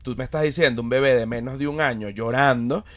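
A young adult man with a Venezuelan accent, a comedian co-hosting a podcast, blunt and animated, swearing often in casual banter. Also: mid-range voice, fast talker, no room sound. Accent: Venezuelan Spanish. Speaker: comedian co-host.

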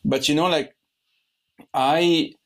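A man's voice: fairly high pitch, steady tone, takes it slowly. A young man from Lebanon hosting a podcast, talking in a loose, rambling way with many restarts. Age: young adult. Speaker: podcast host. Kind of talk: casual conversation.

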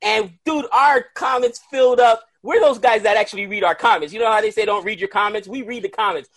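A high-voiced man from the Dominican Republic chats as a podcast guest over a video call. He tells his story with lively energy and breaks into loud outbursts. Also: a little fast. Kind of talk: casual chat.

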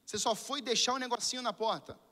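Brazilian male pastor, high-pitched and bright, preaching in a reverberant church hall, swinging from hushed to fervent. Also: steady tone, quick pace. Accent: Brazilian Portuguese. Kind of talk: sermon.

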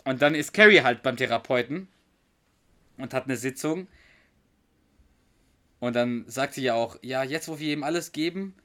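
A man co-hosts a casual podcast chat in a middle-pitched, ordinary voice. He retells scenes at length, slipping into quoted lines. He sometimes stalls and hunts for words. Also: normal speed, pauses often, pushed and bright. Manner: narrates scenes at length, quoting characters, with hesitations. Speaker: podcast co-host.

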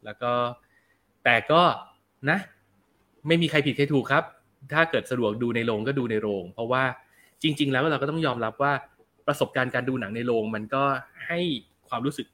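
A young adult man hosts a laid-back film review chat, his voice bright and forceful. He talks in a loose, slangy way and reads out viewer questions before answering them. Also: medium pitch, fairly quick. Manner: relaxed, chatty, slangy, reads out viewer comments. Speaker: film review show host.

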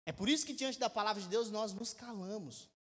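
Pastor preaching in an echoey hall. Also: male voice, high-pitched, a little fast. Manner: emphatic preaching with rhetorical questions, swinging between loud and quiet. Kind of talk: sermon. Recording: echoey church hall with long reverb.

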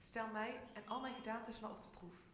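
A woman's voice: fairly high pitch, fairly even intonation, moderate pace, a bit bright, natural voice. A young woman playing a loyal, fervent elemental spirit in a Dutch radio play, speaking reverently to a master. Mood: devoted, wistful. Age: young adult. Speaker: drama student actor. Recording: echoey room with faint noise.

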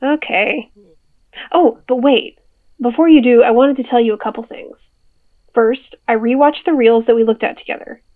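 A woman's voice: on the high side, normal speed, no echo. A woman playing a playful, curious friend in an audio drama, talking casually over a phone call. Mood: keen, helpful. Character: amused, curious female friend helping a man investigate. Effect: phone call filter. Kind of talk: naturalistic audio drama dialogue. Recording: tinny, band-limited phone line.

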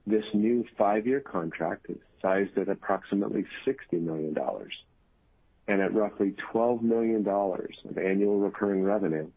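A man in the role of company executive reads scripted earnings call remarks in a measured, formal way. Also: sits low, slightly rough. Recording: tinny, muffled phone conference line.

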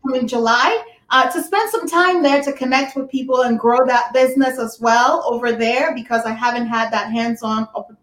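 A woman's voice: fairly high pitch, fairly even intonation, moderate pace. A woman from Ghana, a guest talking upbeat and chatty about her work over a video call. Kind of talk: casual interview chat. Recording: echoey room.

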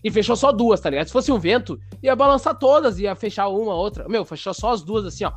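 A man, hosting a podcast and telling a story in a lively, slangy way. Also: high-pitched, fast, no room sound, soft background music. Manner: animated, slangy, acts out sounds and voices. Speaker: podcast host. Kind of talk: casual storytelling.

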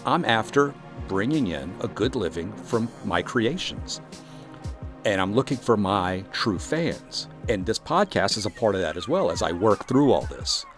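A man's voice: fairly low pitch, very animated, unhurried, faint music behind. A man hosting his own solo podcast, talking earnestly and encouragingly about defining success as an artist. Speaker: podcast host and composer. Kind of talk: solo motivational podcast monologue.

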